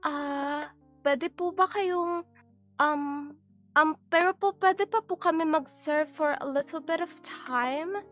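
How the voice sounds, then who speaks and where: A woman's voice: sits high, voice pushed up. A woman playing a polite young female restaurant server in a skit, speaking courteously and hesitantly. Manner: courteous, hesitant, soft-spoken. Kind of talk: playful skit.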